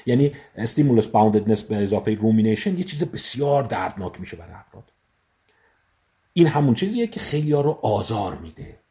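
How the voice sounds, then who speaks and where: Male lecturer with a lively, swinging voice; teaches by explaining terms and acting out little scenes. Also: lowish voice. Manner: explains terms and repeats them slowly, acts out example dialogues. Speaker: psychologist lecturer. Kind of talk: educational talk.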